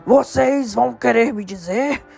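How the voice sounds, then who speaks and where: A big, gruff half-giant, as a woman puts him on, shouting in high, strained bursts and leaning hard on each word. He sounds loud and indignant, slow and emphatic, with a husky edge. Faint music plays underneath. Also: very animated, full character voice. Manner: bellowing, slow emphatic outbursts.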